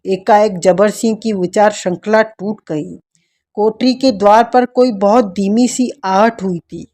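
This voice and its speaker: Female audiobook narrator; slow, mellow, measured, expressive. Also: medium pitch.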